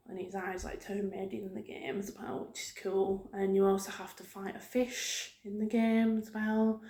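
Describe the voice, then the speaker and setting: A woman giving a soft-spoken, informal ASMR ramble as a video host, talking in a hesitant, loosely wandering way. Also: medium pitch, gravelly. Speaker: YouTube host. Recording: roomy, echoing room sound.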